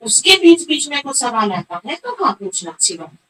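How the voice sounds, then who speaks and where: A woman's voice: high voice, big pitch swings, normal speed, fairly bright tone, a little hiss or hum, poor audio. A woman religious teacher giving an earnest talk in plain, simple words, with her voice altered to hide who she is. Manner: earnest, repeats phrases, plain simple wording. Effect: voice altered to hide identity.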